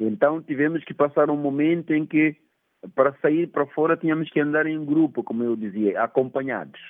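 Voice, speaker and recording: With a Mozambican accent, a man speaks at a moderate pace and a fairly high pitch with ordinary variation. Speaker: former student and rights activist. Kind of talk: interview. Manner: hesitant with fillers.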